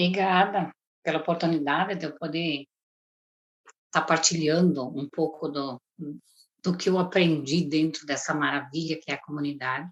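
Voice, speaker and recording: Using a very deep, low pitch and fairly even intonation, a woman speaks with long, frequent pauses. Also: moderate pace. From Brazil, rural Rio Grande do Sul (Erechim). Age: 60s. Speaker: retired farmer, therapy client. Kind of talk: interview testimony. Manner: halting, repeats words.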